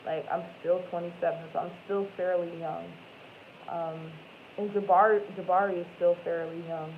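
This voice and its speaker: Hosting a live stream, a woman in her twenties talks casually to viewers with a lowish voice, flat delivery, and moderate pace. Her speech wanders, full of self-corrections and plenty of "like" and "um," over tinny, phone-like audio carrying faint noise.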